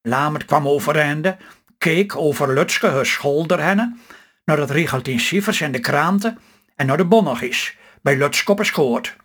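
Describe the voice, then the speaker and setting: An older man with a Stellingwerfs accent reading his own story aloud in a calm, measured way. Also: on the high side, breathy edge. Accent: Stellingwerfs Low Saxon.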